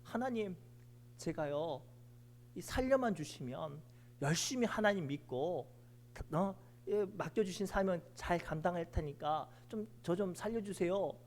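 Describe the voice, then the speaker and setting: A man's voice: high voice, lively intonation, unhurried, darkish tone. A man voicing a desperate, pleading man hanging from a cliff branch in a sermon joke. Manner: begging, urgent.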